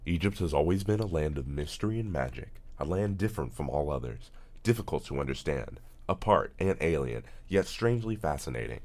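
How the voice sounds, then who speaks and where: A man doing a scripted voice-over reading as a professional voice actor, in a solemn, measured, oratorical manner. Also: extremely low pitch, animated, darkish tone.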